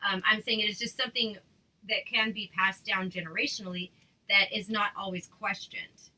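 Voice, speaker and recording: A woman's voice: medium pitch, fairly even intonation, normal speed, bright, forceful tone, poor audio. A woman hosting a casual chat over a video call, talking in loose, filler-heavy sentences with frequent restarts. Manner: chatty, many fillers and restarts. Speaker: host.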